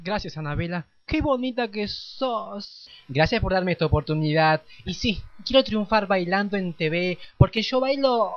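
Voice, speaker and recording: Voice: mid-range voice, lively intonation, moderate pace, hardly any pauses, slight background noise, lightly acted. An actor voicing a campy, eager trans amateur dancer in a parody radio play, effusive and confiding. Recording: dry, dull lo-fi audio.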